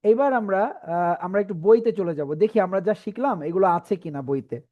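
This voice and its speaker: A woman teaching a Quran reading class, spelling out letter combinations slowly and often checking in with her students. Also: medium pitch, lively intonation, narrow, tinny audio. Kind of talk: online class lesson.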